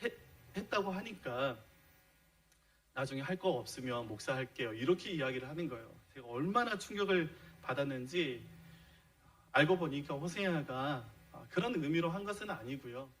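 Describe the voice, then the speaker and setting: A middle-aged pastor with a voice on the high side, a bit bright, preaches in a church sanctuary at a normal speed with lively intonation. Earnest in his explanations, he keeps asking the congregation rhetorical questions, all on a low-quality recording.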